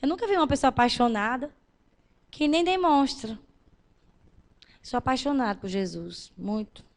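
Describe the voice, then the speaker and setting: In a fervent sermon, a woman pastor speaks straight to her congregation with a high, bright, creaky voice. At a normal speed and very expressive, she builds to loud, emphatic declarations before dropping to soft, tender lines.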